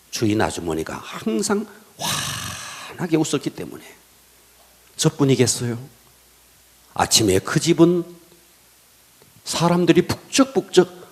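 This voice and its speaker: A male pastor preaching a sermon, telling illustrative stories and letting his sentence ends fall to a whisper. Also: fairly high pitch. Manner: animated delivery, drops to a whisper at sentence ends; tells illustrative stories to the congregation.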